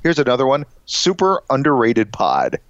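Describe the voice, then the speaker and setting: A man's voice: mid-range voice, wildly swooping pitch, normal speed, dry recording, highs cut off. A man with a Chicago accent and a nasal voice, co-hosting a podcast in casual, joking chat. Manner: joking, laughs often. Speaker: podcast co-host.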